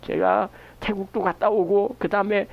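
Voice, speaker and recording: A man's voice: high voice, moderate pace, gravelly, lo-fi sound. A man preaching a sermon as pastor, asking the congregation rhetorical questions and acting out prayers in his own voice. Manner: animated preaching, acts out prayers and quoted remarks. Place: church sanctuary.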